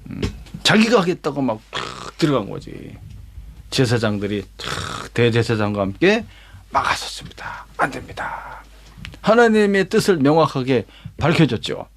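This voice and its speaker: A man's voice: mid-range voice, very animated, moderate pace. A male pastor telling a Bible story as a lesson, dramatic, with vivid sound words and rhetorical questions. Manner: acts out quoted lines himself.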